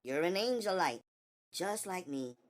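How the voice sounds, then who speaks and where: A man voicing a weary, knowing superhuman woman who speaks in measured, terse lines. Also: sits high, lively intonation, voice pushed up. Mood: cryptic. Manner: measured, terse and matter-of-fact. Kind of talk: audiobook character voice.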